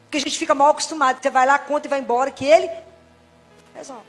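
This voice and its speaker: With faint music behind her, a Brazilian Catholic preacher speaks in a high voice at a quick pace, her Brazilian Portuguese accent clear. Preaching to a live congregation, she's energetic and keeps posing rhetorical questions.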